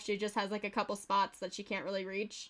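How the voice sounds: A woman talks at a fairly quick pace with a medium pitch. Her tone is fairly bright, and her intonation is monotone and flat.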